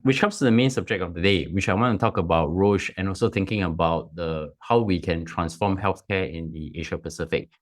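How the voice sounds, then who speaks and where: A man's voice: sits low, fairly quick, hardly any pauses. A man hosting an interview podcast, with formal, scripted introductions and questions. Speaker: podcast host.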